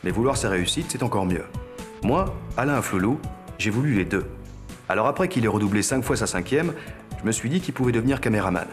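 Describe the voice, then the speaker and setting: A man's voice: on the low side, lively intonation, soft background music, lightly acted. Man as self-important advert dad, swooping voice. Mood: solemn, proud. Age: middle-aged. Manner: solemn, deliberate slogan delivery. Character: self-important businessman father advertising himself, easily exasperated. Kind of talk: parody TV advert narration. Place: studio set.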